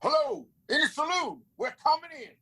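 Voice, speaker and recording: A man's voice: very high-pitched, big pitch swings, moderate pace, gravelly, very noisy, exaggerated voice. A man acting a smug town boss villain in a Western audio play, theatrical and mock-polite.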